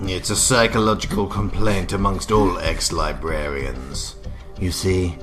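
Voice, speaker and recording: An actor playing a theatrical, sadistic clown villain in a radio drama, mock-polite and taunting. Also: male voice, sits low, fairly even intonation, unhurried, music in the background. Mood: gleefully cruel.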